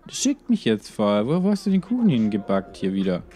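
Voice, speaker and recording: A man's voice: on the low side, wildly swooping pitch, a little fast. A man giving let's play commentary on a life-simulation game. He rambles casually, keeps talking to the game characters, and tags his sentences with fillers like "hier" and "ne". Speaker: let's player.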